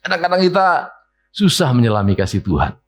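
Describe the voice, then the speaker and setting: A man, preaching a sermon in a church, often asking the congregation questions and mimicking complaints in a higher voice. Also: very animated, brisk. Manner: mimics whiny complaints in a high voice. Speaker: pastor. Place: church hall.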